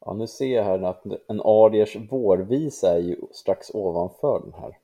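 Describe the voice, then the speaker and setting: Low voiced guy reading a poem slow and calm, super mellow dark tone. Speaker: podcast co-host. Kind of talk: casual chat and poetry reading.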